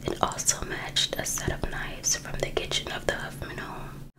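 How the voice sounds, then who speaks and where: A woman reads aloud in an unvoiced, breathy ASMR whisper, in an informal, casual way. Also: poor audio. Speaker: ASMR host reading a true crime book.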